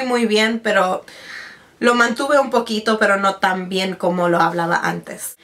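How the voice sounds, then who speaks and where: A woman's voice: medium pitch, fairly bright tone. A woman in her twenties, raised speaking Spanish but now mostly speaking English, vlogging casually from her bedroom and often restarting and mixing in English words. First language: Spanish, now mainly speaks English. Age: 20s. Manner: chatty, with frequent restarts and English words slipped in. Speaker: beauty vlogger. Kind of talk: casual personal vlog. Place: bedroom with vanity desk, indoors. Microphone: camera in front, seated at medium distance.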